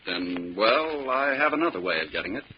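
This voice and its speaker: A man's voice: on the low side, very animated, normal speed. An actor playing a scheming young man-about-town in gambling debt, suave, clipped and brazen, in 1940s radio drama style. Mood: desperate, defiant. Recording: muffled, noisy vintage radio recording.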